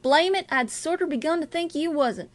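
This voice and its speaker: Casting: murderous river gang man played by a female reader, rustic dialect, blunt, high voice, audiobook story. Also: normal speed, close to an everyday voice. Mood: grudging.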